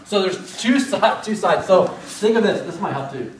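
Middle-aged guy teaching in a mask, kinda high voice, roomy echo, camera way back, laid-back and jokey w/ the class. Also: animated, normal speed, slight background noise. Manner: casual, self-deprecating, asks students questions. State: speaking through a face mask. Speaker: respiratory therapy instructor. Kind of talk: classroom whiteboard lecture. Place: large classroom with whiteboard. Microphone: far camera. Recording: echoey room from far off.

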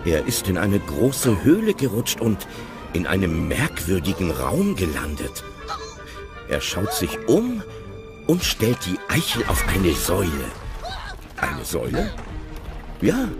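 Man narrating a kids audio play, slow and very sing-songy, music under. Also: low-pitched, huge pitch swings. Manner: chatty, wondering.

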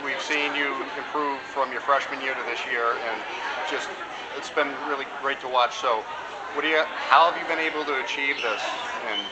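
A man's voice: medium pitch, fairly even intonation, normal speed. A young man running a postgame interview with players in a school gym, upbeat and asking with fillers. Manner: upbeat, leading questions with fillers. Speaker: student sports broadcaster interviewing players. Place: school gym after a game. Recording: loud crowd and gym noise behind.

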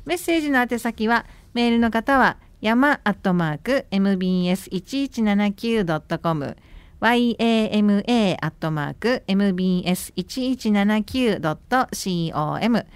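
A woman's voice: medium pitch, expressive, normal speed, clear, resonant tone, dry recording. A woman co-hosting a radio show as an announcer, moving between chat and announcements. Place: radio studio.

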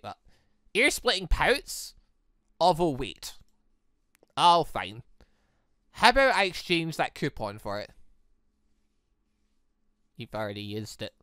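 Lively young woman gamer. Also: low voice, dry recording, clean studio sound. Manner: chatty, animated, reads character lines in her own voice. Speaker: let's play streamer. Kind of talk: reading a visual novel aloud and reacting.

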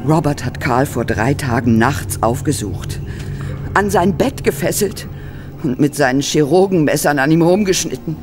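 A woman playing an embittered, frightened Hollywood actress, telling her story in a halting, dramatic German horror radio play style. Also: sits low, lively intonation, music in the background. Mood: bitter, agitated.

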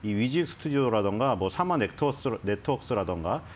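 Animated man giving stock commentary. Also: fairly low pitch, fast, slight background noise. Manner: explanatory, animated, frequent restarts. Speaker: stock analyst guest. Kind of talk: conversational market commentary. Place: TV studio.

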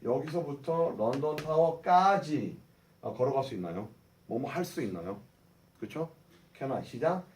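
A man's voice: mid-range voice, animated, measured pace, darkish tone. A middle-aged man teaching English phrases to a class, drilling them and having the group repeat. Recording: roomy echo, mic at a distance.

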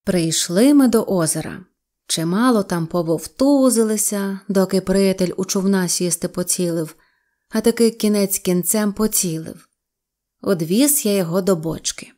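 A woman reading a humorous story aloud as a storyteller, lively and playful. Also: mid-range voice, moderate pace. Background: faint guitar music.

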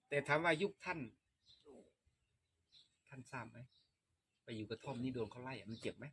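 A man telling a life story in casual chat, emphatic and animated. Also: medium pitch, normal speed, husky.

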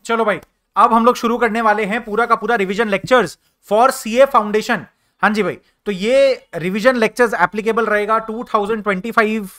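A man's voice: high voice, bright, forceful tone. A young adult man with an Indian accent giving an exam revision lecture, chatty and switching freely between Hindi and English. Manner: chatty, mixes Hindi and English, calls listeners brother. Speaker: teacher.

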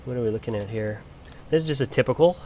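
A man's voice: medium pitch, quick pace, darkish tone, slight background noise. A man getting over a cold, chatting loosely with lots of ums as he films his plant collection. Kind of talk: casual filmed walk-through. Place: indoor grow area under bright lights.

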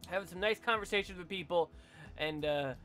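A gaming streamer from Pennsylvania with an American accent chats casually and playfully while streaming a video game. His high voice comes across a little fast, pushed and bright, and his casual game talk is goofy and full of jokes. Faint music plays behind him.

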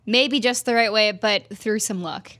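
A woman's voice: mid-range voice, a little slow, fairly bright tone. A woman co-hosting a casual gaming podcast, eager and chatty, laughing between stories. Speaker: podcast co-host.

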